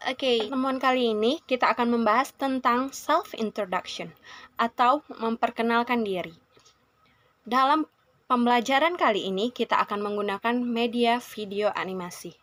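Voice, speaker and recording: A woman's voice: on the high side, normal speed, a bit bright, no echo. A young woman student teacher with an Indonesian accent introduces a lesson and lists its goals one by one. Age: young adult.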